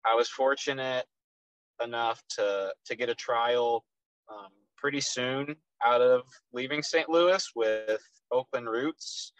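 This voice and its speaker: A young man with a light Texas accent talks through his story in an easy, unhurried way, often pausing on "um" and restarting his sentences. His voice sits in a middle range, and the sound is dry and close with no room around it. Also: medium pitch, dry recording, poor audio. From Texas, USA. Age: 20s. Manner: relaxed, with frequent ums and restarts. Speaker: guest, professional soccer player. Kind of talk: casual interview answers.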